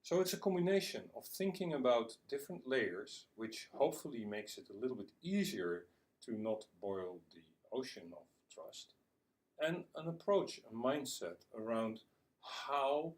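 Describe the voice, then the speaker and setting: A man giving an explanatory presentation as a conference speaker, with deliberate, halting phrasing and repeated words. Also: medium pitch. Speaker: conference speaker on internet security. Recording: distant microphone.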